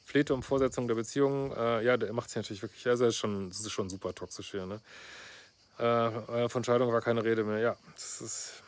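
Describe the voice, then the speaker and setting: Brisk and fairly even in intonation, this middle-aged couples therapist's mid-range voice carries a casual reaction vlog. He reads out a viewer's letter and picks it apart with blunt sarcasm, often adding "ne?" and fillers.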